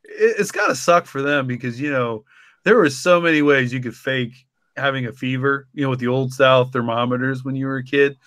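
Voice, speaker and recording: A man's voice: medium pitch, brisk, a bit bright, no room sound, clean studio sound. A man co-hosting a podcast in casual, bantering conversation. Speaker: podcast co-host.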